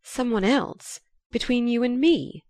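A woman voicing a young gentleman who pleads urgently and persuasively. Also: a little high, a little slow, dry recording, voice pushed up, lightly acted. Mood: defensive. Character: young gentleman, eager and pleading, sometimes exasperated.

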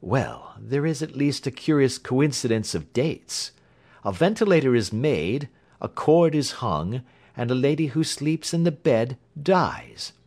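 A man voicing a sharp-minded male detective, speaking in a crisp, explanatory manner. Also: medium pitch, lively intonation, measured pace, pitched above the performer's own voice. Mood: intense. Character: Holmes, sharp reasoning male detective, adult.

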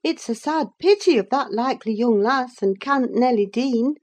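A woman's voice: on the high side, lively intonation, moderate pace, darkish tone, pitched above the performer's own voice. A woman voicing a chattering rustic housekeeper in country dialect. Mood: gossipy. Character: rustic middle-aged housekeeper woman, gossipy.

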